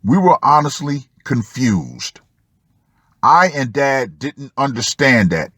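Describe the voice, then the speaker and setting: Male commentator, unhurried and dramatic, reading a written story with pauses; close, dry sound. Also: mid-range voice, big pitch swings, sharp tone, no echo. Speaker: host of a commentary channel. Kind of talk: reading a personal post aloud with asides.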